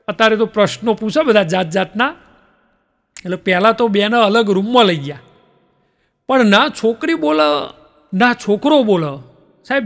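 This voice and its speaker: A man doing stand-up, telling jokes and acting out the characters' lines in a lively way. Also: very high voice. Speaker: stand-up comedian. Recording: long hall reverb.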